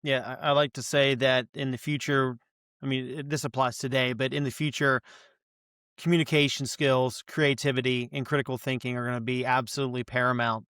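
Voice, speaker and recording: A man speaking as a podcast guest, enthusiastically giving advice and quickly agreeing with the others. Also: medium pitch, level tone, fairly bright tone, clean tone, no room sound, studio quality. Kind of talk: casual podcast chat.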